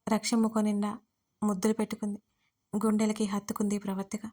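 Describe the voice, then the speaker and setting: A woman narrating a family drama audiobook as scripted storytelling, reading in a gentle, even manner. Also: mid-range voice, brisk.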